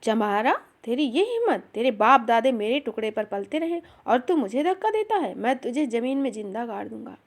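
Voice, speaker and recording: A woman voicing an arrogant, abusive middle-aged male village landlord who shouts insults and threats. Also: a little high, sing-song, normal speed, hardly any pauses. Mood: angry, abusive.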